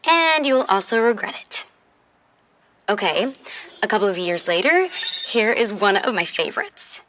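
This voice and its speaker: A woman's voice: medium pitch, big pitch swings, moderate pace, noisy background, lightly acted. A woman playing an earnest, eager fifteen-year-old girl from the future in an audio drama, insistent and persuasive. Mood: matter-of-fact, persuasive.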